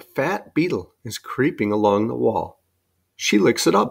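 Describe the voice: A man speaks at a moderate pace in a fairly bright tone. His voice carries a slightly husky edge and vocal fry.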